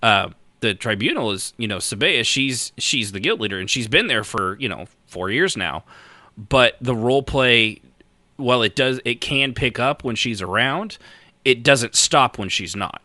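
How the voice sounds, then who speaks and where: A man's voice: mid-range voice, animated, normal speed, pushed and bright, no echo. A man co-hosting a podcast in casual banter, blunt and joking in the way he talks. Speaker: podcast co-host.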